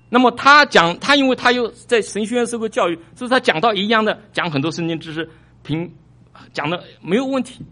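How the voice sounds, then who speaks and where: A male pastor preaching a sermon, animated, surging louder for emphasis and repeating his phrases. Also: high-pitched. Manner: repeats phrases, small restarts.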